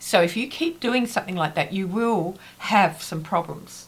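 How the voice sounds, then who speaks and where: A woman with an Australian accent speaks at a fairly slow pace. Her pitch sits in the middle range. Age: 60s. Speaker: face exercise coach. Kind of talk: casual talk to camera. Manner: conversational, with fillers and repeats.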